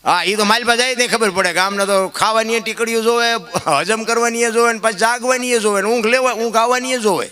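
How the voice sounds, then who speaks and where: A man giving a folk dayro sermon, preachy and story-driven, climbing to loud, impassioned peaks. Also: very high-pitched, fairly even intonation, a little fast, few pauses. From Gujarat, India.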